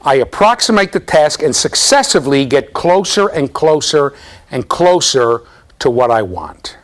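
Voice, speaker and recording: In a classroom lined with bookshelves, a man in his fifties gives a university lecture in a slightly high, very animated voice at a measured pace. He explains eagerly, often checking in with "okay?" and "right?"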